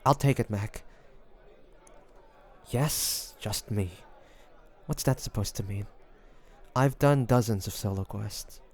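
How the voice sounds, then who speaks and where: A man's voice: lowish voice, takes it slowly, long pauses, a little mellow. A man playing a devoted fantasy adventurer and healer in an audio roleplay, speaking intimately and earnestly. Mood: guarded, shocked, determined. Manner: intimate, earnest, with breathy sighs. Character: devoted fantasy adventurer and healer, tender toward his dragon beloved. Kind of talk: dramatic audio roleplay addressed to the listener.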